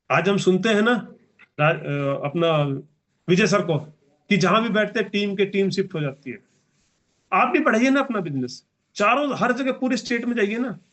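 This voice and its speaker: A man in his forties with a high-pitched, slightly bright voice delivers a motivational business training speech. He exhorts the audience emphatically and repeats himself often.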